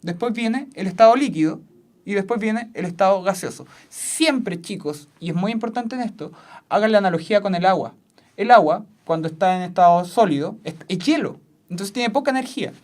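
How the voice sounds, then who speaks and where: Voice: mid-range voice, lively intonation, a little fast. Substitute teacher giving a classroom lesson. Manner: repeats key points, checks in with frequent questions, laughs easily. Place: classroom with a whiteboard.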